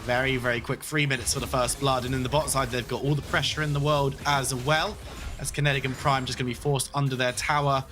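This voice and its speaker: A man calling play-by-play for a competitive video game match, talking in a steady, flowing way with some playful banter. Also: medium pitch, quick pace, music in the background. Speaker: esports play-by-play caster.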